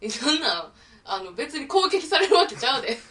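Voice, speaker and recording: A woman with a Kansai accent co-hosting a casual podcast, quick with teasing comebacks. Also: high-pitched, big pitch swings, fairly bright tone, recorded from a distance. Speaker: podcast co-host. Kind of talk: casual chat.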